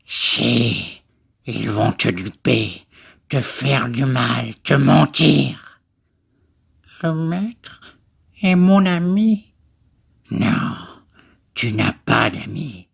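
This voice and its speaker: A man voicing a wretched, small film creature, torn between spite and pleading, with a raspy, creaky voice. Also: medium pitch, expressive, extremely slow, pauses often, fairly bright tone, full character voice. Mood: pleading, distressed. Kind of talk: film character imitation for voice demo.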